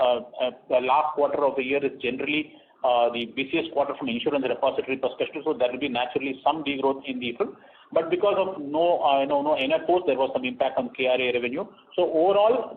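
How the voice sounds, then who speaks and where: A man presents quarterly financial results over a conference call. He speaks in a measured way, with frequent "uh" fillers and restarts. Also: medium pitch. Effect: heard over a conference call line. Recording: tinny phone-line conference call audio.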